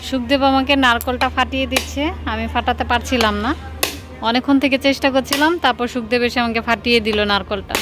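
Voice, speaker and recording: A woman's voice: a little high, fairly even intonation, quick pace. Chatty young Bangladeshi woman vlogging. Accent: Bangladeshi Bengali. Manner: chatty, narrates her daily chores as she goes. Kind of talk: casual vlog narration. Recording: music playing under the voice.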